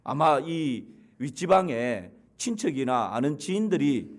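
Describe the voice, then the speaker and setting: A man voicing a formal older job interviewer who asks polite questions in a measured way. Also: fairly high pitch, sing-song. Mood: curious.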